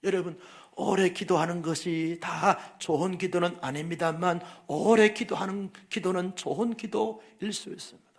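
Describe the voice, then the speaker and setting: A male pastor preaching a sermon with feeling, repeating phrases and swinging from loud emphasis down to soft whispers. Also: high-pitched, fairly even intonation, moderate pace, hardly any pauses.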